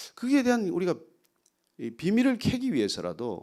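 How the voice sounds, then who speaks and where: Here a man's dark, mellow tone rides very wide pitch swings. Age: 60s. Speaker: pastor. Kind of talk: lecture-style sermon. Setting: church.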